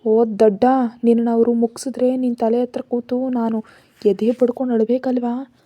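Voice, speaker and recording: A young wife in a spoken story, pleading through tears and then teasing her brother in a husky, breathy voice, as a woman narrator puts her on. The tone is dark and mellow, with a flat, even pitch, in a dry close recording. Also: moderate pace, no room sound, dull audio, lightly acted.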